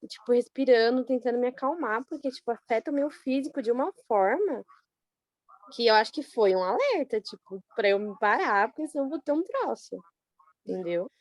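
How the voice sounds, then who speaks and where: Brazilian woman rambling through a story, highish voice, dry close sound. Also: fairly quick, dry recording. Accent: Brazilian Portuguese. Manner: chatty, animated storytelling with many fillers. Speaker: study group participant. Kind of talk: casual personal account.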